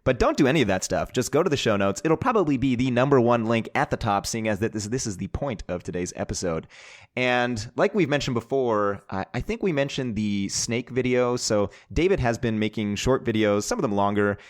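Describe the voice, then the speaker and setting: A man's voice: mid-range voice, lively intonation, a little fast. A man hosting a podcast, introducing a guest and asking questions in a chatty, enthusiastic way. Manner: chatty and enthusiastic, many fillers. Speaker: podcast host. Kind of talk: casual podcast chat.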